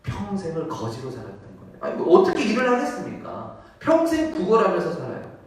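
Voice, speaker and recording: A man preaching a Sunday sermon, telling the story vividly and acting out the voices, rising loud and dropping soft. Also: high-pitched, huge pitch swings, a little fast. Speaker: pastor. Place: church sanctuary. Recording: echoey church from a distance.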